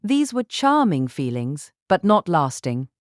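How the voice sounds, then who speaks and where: Low-pitched woman narrating a novel. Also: big pitch swings, unhurried, no room sound, studio quality. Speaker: audiobook narrator. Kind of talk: scripted literary narration. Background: soft instrumental music.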